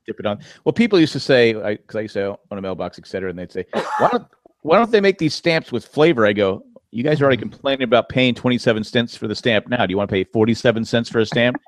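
A man's voice: on the low side, rapid-fire, few pauses, dry recording, clean studio sound. A man co-hosting a casual podcast chat, telling stories and acting out customers' lines in raised voices. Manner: animated storyteller, acts out customers in raised voices. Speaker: podcast co-host.

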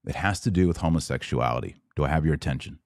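A man hosting a Catholic podcast, giving a sermon-like explanation in an emphatic, deliberate way with dramatic pauses. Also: extremely low pitch, no echo, clean studio sound.

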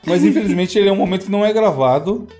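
A man's voice: high-pitched, lively intonation, racing, dark tone, faint music behind. A man hosting a casual podcast, telling stories in a slangy, profane way and laughing often. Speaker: podcast host.

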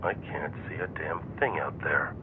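An actor playing a wisecracking airline captain making a deadpan announcement over the cabin intercom in a comic radio play. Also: male voice, normal speed. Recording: tinny cabin intercom with rumble.

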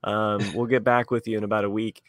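A man's voice: on the low side, flat delivery, brisk, a bit bright, no room sound, studio quality. A man in his forties co-hosting a casual podcast, joking around and giving listeners the show's sign-off details. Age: 40s. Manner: joking, wraps up the show. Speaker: podcast co-host. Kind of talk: casual chat.

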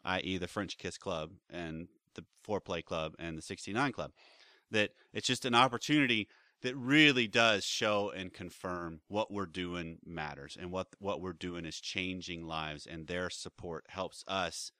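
A man with a fairly low, smooth, bright voice co-hosts a podcast in a relaxed, chatty way. He is recorded close and dry. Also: a little slow, dry recording. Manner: relaxed, affirming back-channel replies. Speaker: podcast co-host. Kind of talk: casual chat.

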